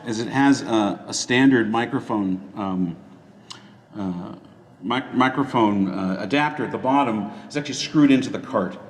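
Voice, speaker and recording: A man's voice: mid-range voice, a little hiss or hum. A man from Canada gives a casual, rambling demo over a video call. His voice rings with a big hall echo, picked up from a distance by a conference camera in a large social hall. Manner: relaxed, rambling, many fillers. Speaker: presenter demonstrating a camera cart. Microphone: conference camera's built-in mic, from a distance. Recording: echoey hall voice from far off.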